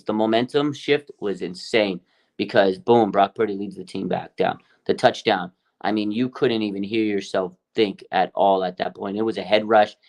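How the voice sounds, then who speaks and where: A man's voice: fairly low pitch, vocal fry, a little mellow. A man co-hosting a casual sports podcast, talking in an emphatic, enthusiastic way. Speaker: podcast co-host.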